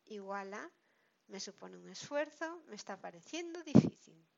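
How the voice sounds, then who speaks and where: A woman with a Spain Spanish accent reading a language lesson aloud, slowly and carefully explaining each phrase. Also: mid-range voice, sing-song, creaky, warm tone. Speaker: Spanish teacher. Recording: dull lo-fi recording.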